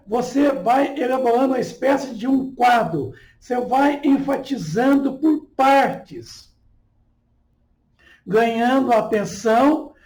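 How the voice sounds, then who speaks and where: Male instructor, gravelly and slow, deliberate lecture delivery with frequent check-ins. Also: very high-pitched, a little mellow, reverberant, rough recording. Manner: slow, deliberate, tag questions like "tá?" and "certo?". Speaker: public speaking teacher. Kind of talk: online lecture.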